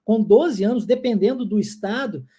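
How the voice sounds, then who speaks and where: A man from New Jersey who teaches English, giving a pronunciation lesson. He repeats English words slowly for learners to copy and chuckles often. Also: sits high, warm tone, breathy edge. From United States, New Jersey.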